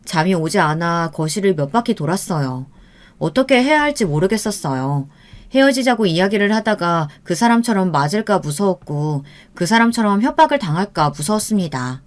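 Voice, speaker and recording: A woman narrating a true-life story in the first person, in a steady, earnest scripted reading. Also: lowish voice, normal speed.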